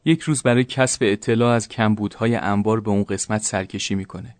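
A man reads scripted narration in a low voice that barely moves in pitch. He tells the story in an even, level way, and the sound is close and dry. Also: no echo.

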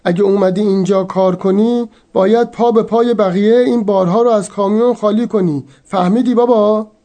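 An actor playing a brusque older male warehouse boss in a radio drama, talking quick and loud. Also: sits high, fairly even intonation, close to an everyday voice. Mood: bossy.

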